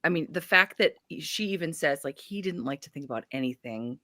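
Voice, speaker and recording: A woman chats in a book discussion with a bright voice that swings widely in pitch. Her delivery is emphatic and informal. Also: brisk, no room sound, studio quality. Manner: emphatic, animated. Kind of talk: casual book club chat.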